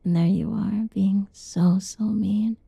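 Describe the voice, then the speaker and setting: Slow breathy whispering young woman. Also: medium pitch, fairly even intonation, dry recording. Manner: soft teasing whisper. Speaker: ASMR roleplay creator. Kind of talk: whispered ASMR roleplay.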